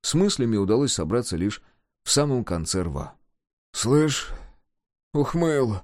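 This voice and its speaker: A man narrating a story aloud with an expressive, storytelling delivery. His pitch moves lively through each sentence. The recording is close and dry. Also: fairly quick, no echo. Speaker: audiobook reader. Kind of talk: scripted narration.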